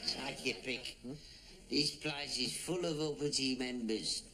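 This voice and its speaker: A chummy middle-aged Birmingham cab firm boss with a Birmingham accent, easygoing and a little boastful. His slow, gravelly voice moves up and down lively, and a studio audience laughs behind him. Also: mid-range voice, a crowd in the background. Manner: easygoing, chuckling, boastful about money. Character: friendly well-off Birmingham taxi firm boss.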